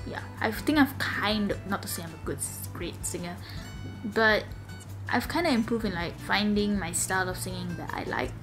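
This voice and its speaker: A young Malaysian woman vlogs from a room at home, sitting down and chatting casually with a slightly raspy, low voice. She rambles at a moderate pace, full of fillers, while music plays in the background.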